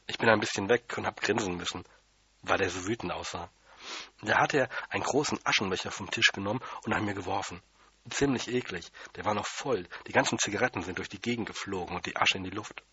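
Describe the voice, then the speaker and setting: A man's voice: fairly low pitch, sharp tone, husky, muffled recording. A man reading a children's story aloud in the first person, in a plain, childlike manner. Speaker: audiobook reader.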